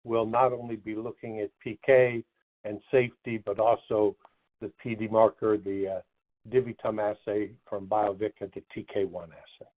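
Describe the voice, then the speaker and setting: Halting, lowish male medical officer over phone. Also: level tone. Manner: halting, measured, technical. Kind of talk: unscripted technical answer on a conference call. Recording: muffled narrow phone line.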